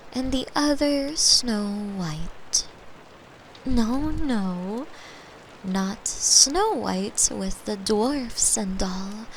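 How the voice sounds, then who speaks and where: A caring young girlfriend, acted by a woman, murmurs close to the mic in an ASMR bedtime roleplay. Her voice sits a little high and moves at a very slow, soothing pace, playful and tender, dipping into whispers. There is audible noise behind her. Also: heavily acted, rough recording. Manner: gentle, soothing, teasing, unhurried, slipping into whispers. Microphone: close microphone, made for headphones.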